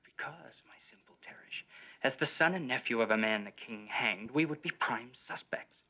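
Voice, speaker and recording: Gravelly hushed assassin. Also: male voice, medium pitch, moderate pace. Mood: conspiratorial. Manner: hushed, conspiratorial. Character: sly conspiring assassin, scheming and greedy. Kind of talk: animated Bible drama. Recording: dull lo-fi sound.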